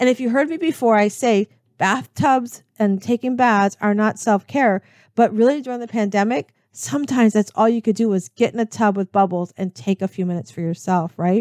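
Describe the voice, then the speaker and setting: A woman uses a normal speaking voice, fairly high in pitch, with ordinary pitch variation and a fairly quick pace. The sound is dry and close with no echo, on a very clean recording with a silent background. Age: 50s. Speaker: podcast host. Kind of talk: casual interview.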